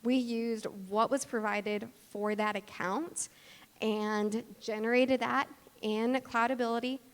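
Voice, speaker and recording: A woman's voice: fairly high pitch, steady tone, slow pace. A woman giving an explanatory conference presentation as a practitioner speaking to an audience. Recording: long hall reverb.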